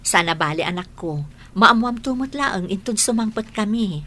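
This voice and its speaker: A woman playing a gentle, reassuring mother in a family drama. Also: medium pitch, lively intonation, moderate pace. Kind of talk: Ilocano family drama acting.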